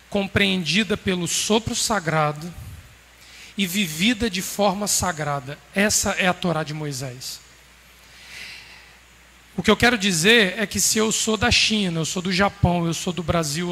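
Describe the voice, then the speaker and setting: A man preaching a sermon to a congregation in a measured, emphatic way with pauses. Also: sits high, a bit bright. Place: congregation hall. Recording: roomy hall reverb, faint background noise.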